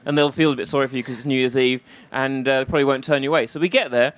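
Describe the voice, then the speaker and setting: A man's voice: mid-range voice, fairly even intonation, rapid-fire, no echo. A male comedian telling rambling, self-deprecating stories in a live interview, often laughing through them. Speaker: comedian guest. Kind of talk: live on-stage interview, storytelling.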